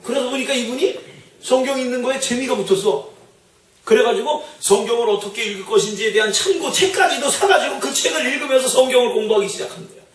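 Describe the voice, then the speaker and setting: High-voiced pastor preaching in an echoey hall. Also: male voice, fast. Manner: storytelling, acts out quoted voices, asks the congregation questions. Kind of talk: sermon. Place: church sanctuary. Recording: roomy church hall, mic at a distance.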